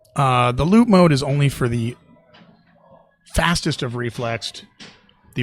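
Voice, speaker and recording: Music plays in the background while a man speaks. His pace is moderate and his pitch varies in an ordinary way. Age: 60s. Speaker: pinball commentator. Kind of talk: live commentary. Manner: animated.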